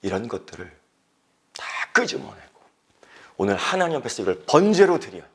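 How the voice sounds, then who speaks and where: A male pastor preaching a sermon, swinging between loud emphatic exhortation and hushed whispered lines. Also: medium pitch, very animated, normal speed, slightly rough.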